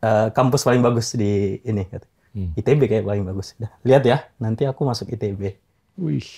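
In a dark, mellow tone, a man speaks at a medium pitch and moderate pace, sounding somewhat breathy. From Jakarta, Indonesia. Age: 30s. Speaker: startup founder. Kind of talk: interview.

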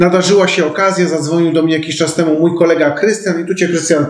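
There's audible room echo around this man's high-pitched voice. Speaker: woodworking channel host. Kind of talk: casual vlog intro. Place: workshop.

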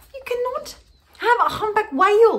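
A woman's bright, sharp tone with a strong Australian accent. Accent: broad Australian. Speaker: children's book reader. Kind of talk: reading aloud.

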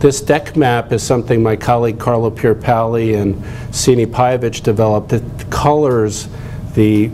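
A man's voice at a moderate pace, fairly even in intonation, over light background noise. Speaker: invited scientist lecturer. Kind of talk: lecture. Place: hall.

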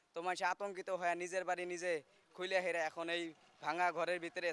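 In a dry, close sound with no echo, a man speaks in a high pitch with monotone, flat intonation. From Goalpara, lower Assam, India. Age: 20s. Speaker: villager facing eviction, college student. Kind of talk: street vox pop interview.

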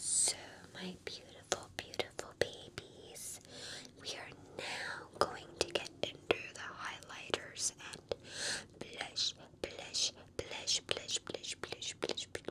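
A soft-spoken woman whispers at a very slow pace. Loud background noise runs underneath. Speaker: makeup roleplay creator. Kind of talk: personal attention roleplay talk. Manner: soft whisper, repeating words rhythmically. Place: home room.

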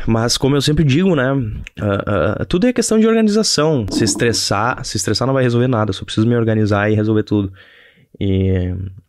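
With a southern Brazilian accent, a man talks at a fairly quick pace in a medium pitch, showing ordinary pitch variation. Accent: southern Brazilian (gaúcho). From Brazil, Rio Grande do Sul (Novo Hamburgo). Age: 20s. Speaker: podcast host and entrepreneur. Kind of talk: casual solo talk. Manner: halting, many repetitions and fillers. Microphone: testing new audio setup.

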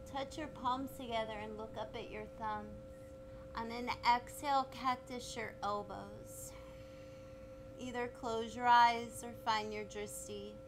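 With music in the background, a woman speaks fairly slowly in a calm, soothing tone, her loudness swinging widely. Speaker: yoga instructor. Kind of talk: guided yoga class with calm spoken cues. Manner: calm, soothing, instructional; steady, measured pace with friendly warmth. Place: garden. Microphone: studio mic.

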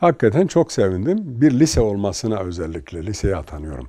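A man with a fairly low pitch and a dark, mellow tone, very wide pitch swings, a moderate pace, dry sound with no echo and a quiet background. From eastern Turkey, Elazığ; Turkey. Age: 70s. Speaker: retired teacher and school principal; retired teacher. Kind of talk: interview, life story monologue. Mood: warm, animated, smiling. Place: home room. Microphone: lapel.

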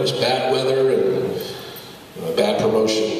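Strong room echo surrounds a man's voice. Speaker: wrestling ring announcer. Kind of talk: live event crowd address. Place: hall. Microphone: pa.

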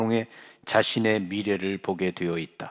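An ordinary speaking voice with fairly even intonation moves at a moderate pace in a very clean recording with a silent background. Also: man. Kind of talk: reading aloud.

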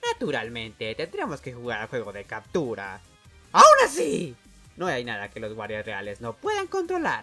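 With a Latin American accent, a man performs a cartoonish character voice at medium pitch and a moderate pace, his bright, sharp tone making very wide pitch swings over faint background music.

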